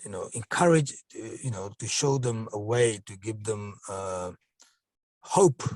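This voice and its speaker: With a non-native accent, a man speaks fairly slowly at a medium pitch, somewhat breathy, with ordinary pitch variation and a dry, close sound with no echo. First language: not English. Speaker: community advocate, foundation head. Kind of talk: podcast interview. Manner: halting, many fillers.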